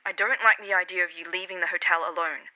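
A woman's voice: lowish voice, fairly even intonation, fast, sharp tone. A woman voicing a worried, protective middle-aged father who talks in clipped, urgent lines. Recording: dull lo-fi recording.

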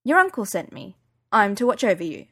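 A woman's voice: medium pitch, very animated, normal speed, slightly rough. A woman voicing a polite, curt male bodyguard who speaks formally and briefly. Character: terse, polite Yorkshire bodyguard man.

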